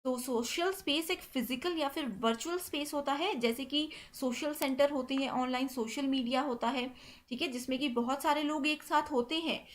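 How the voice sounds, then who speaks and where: A woman's voice: sits high, moderate pace, a little hiss or hum. A woman teaching an exam-prep lesson, mixing English terms into Hindi and checking in with "theek hai" after each point. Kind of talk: explaining exam questions.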